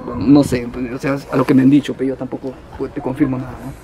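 A man's voice: medium pitch, flat delivery, quick pace, dull audio, crowd noise. A young Peruvian man chatting casually outdoors at night, slangy and sweary, often repeating himself. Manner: slangy, profane, repetitive. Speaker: exploring companion. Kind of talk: casual chat. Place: outdoors on a hillside cemetery at night. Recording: noisy outdoor night recording.

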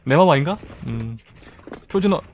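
A man's voice: on the high side, lively intonation, moderate pace, a little hiss or hum. A man with a Gyeongsang accent, streaming a shooter game live, chatting casually and thanking viewers from the chat. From South Korea, Busan.

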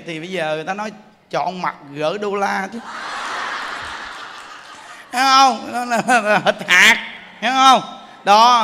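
Man, Southern Vietnamese accent, monk's humorous dharma talk, high pitched, echoey hall, faint noise. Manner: joking storyteller, swings between loud exclaims and low asides. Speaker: Buddhist monk teacher.

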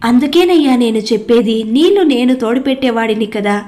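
A woman reading a fearful village servant man, deferential, storybook telling, somewhat high. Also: expressive, brisk, warm tone, lightly acted. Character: timid male village servant, obliging.

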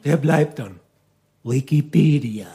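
This comedian and slam poet works a live crowd, his monologue drawing laughter as he plays it wry, colloquial and theatrical. His voice sits on the high side with a warm tone and an unhurried pace, and a faint hiss or hum can be heard.

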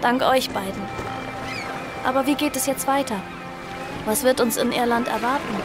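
High-voiced earnest young woman, played by an actress. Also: moderate pace, loud music behind the voice, close to an everyday voice. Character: Abby, earnest frightened young woman fleeing her uncle. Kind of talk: audio drama acting and first-person narration.

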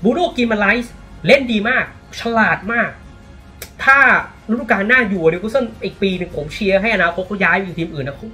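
A man from Thailand giving casual, animated football commentary, often exclaiming, with faint music behind him. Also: high voice, brisk.

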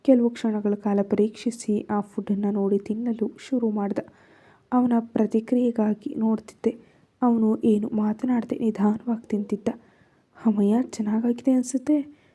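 A woman's voice: a little high, steady tone, moderate pace, dark tone, slightly rough. A woman narrating a first-person love story in Kannada-accented speech, raising her voice for quoted lines.

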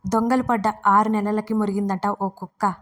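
A woman voicing an anxious, bossy young man who scolds loudly on a late-night phone call. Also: mid-range voice, fairly even intonation, moderate pace, recorded from a distance, natural voice. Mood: irritated. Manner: loud and scolding.

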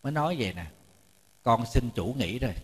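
Husky and expressive, a monk's medium-pitched voice moves briskly through a storytelling sermon. He repeats words often and jokes with those listening, and the temple lecture hall gives everything a reverberant quality.

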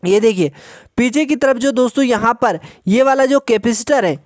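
A man patiently explaining a phone repair step by step in a tutorial voice-over, often pausing to check in with the viewer. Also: very high-pitched, no echo, clean studio sound. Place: voice-over over a drawn circuit diagram.

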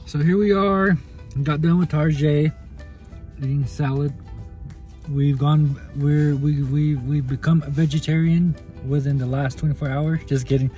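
A man's voice: fairly high pitch, fairly even intonation, measured pace, warm tone, soft background music. A man in his thirties with a Navajo reservation Native American accent, chatting casually and playfully to a phone camera inside a truck. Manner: jokey, playful. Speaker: family vlogger. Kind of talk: casual vlog chat to camera. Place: inside a parked pickup truck. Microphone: phone at arm's length.

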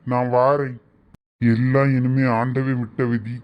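A man playing a grave older holy man, speaking slowly and solemnly, on a slightly muffled recording. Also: mid-range voice, level tone, no room sound, voice pushed down, natural voice. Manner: slow, solemn pronouncements.

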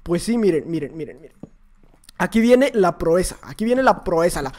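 A man with a Mexican accent and a fairly high voice commentates his own gameplay live. He is excitable and loud, shouting at opponents and repeating quick exclamations. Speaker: YouTuber playing a block-building game.

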